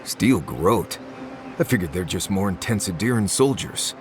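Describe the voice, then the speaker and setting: An actor playing a suspicious, blunt wilderness guide in a video game, with dry, sardonic grumbling. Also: male voice, deep voice, expressive, moderate pace, slight background noise. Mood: wary, dry. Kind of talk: naturalistic video game dialogue.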